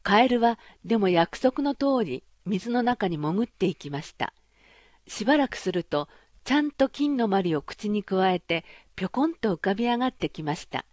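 A woman reading a fairy tale aloud as an audiobook narrator, in a measured, gentle, formal way. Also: mid-range voice, sing-song, dry recording, studio quality.

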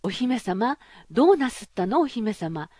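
A woman's voice: on the high side, very animated, measured pace, no room sound, clean studio sound. A woman doing a polite, coaxing fairy-tale frog. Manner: soft, smooth, courteous.

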